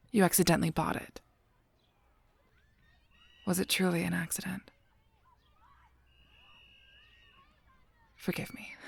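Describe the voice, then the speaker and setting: Breathy, low-voiced solemn guardian angel played by a woman. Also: dry recording. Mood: guarded, distrustful. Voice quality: soft, breathy, often near a whisper. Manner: measured, halting, solemn delivery. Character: gentle, guarded female guardian angel counseling a fairy. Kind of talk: scripted audio roleplay drama.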